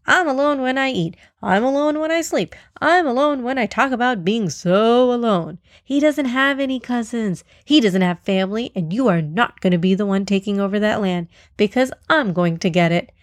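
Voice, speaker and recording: A woman's voice: fairly high pitch, animated, normal speed, few pauses, no room sound, clean studio sound, close to an everyday voice. A woman voicing an impatient, sarcastic, pushy female crocodile in a children's story. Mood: impatient, mocking. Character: impatient snappish mother-to-be crocodile.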